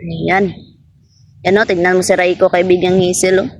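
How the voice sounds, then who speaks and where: A woman's voice: fairly low pitch, little pitch movement, normal speed, vocal fry, a little hiss or hum. A woman vlogging outdoors in a garden, chatting casually with an unseen spirit friend, passing on what it says and laughing often. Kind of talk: casual spoken vlog addressing an unseen spirit.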